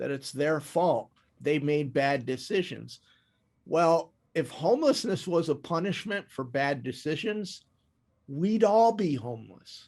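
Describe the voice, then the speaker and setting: With an American accent, a man speaks in a plain, everyday voice, fairly high in pitch with lively intonation. He keeps a fairly slow pace over a quiet background. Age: 60s. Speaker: nonprofit founder and filmmaker. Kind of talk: interview.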